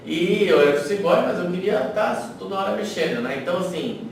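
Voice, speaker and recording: A man's voice: high voice, fast talker, vocal fry. A middle-aged man with a São Paulo accent telling stories about himself conversationally as an interview guest. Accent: São Paulo Brazilian Portuguese. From São Paulo, Brazil. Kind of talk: conversational career reminiscence. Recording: very echoey, noisy room, distant microphone.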